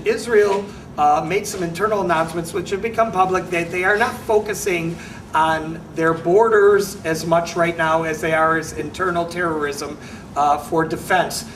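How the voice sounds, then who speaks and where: A man's voice: fairly high pitch, fairly bright tone. A middle-aged man hosting a talk show, asking long, rambling questions with many hesitations. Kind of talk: interview questions. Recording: distant mic with faint noise.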